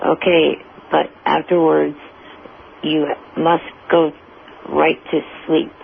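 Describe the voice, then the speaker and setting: A man speaking as a guest writer in a halting, flat way with a gravelly creak in his voice. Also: fairly high pitch. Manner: slow, halting, flat delivery. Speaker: show guest, amateur writer. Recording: tinny phone-like line with hiss.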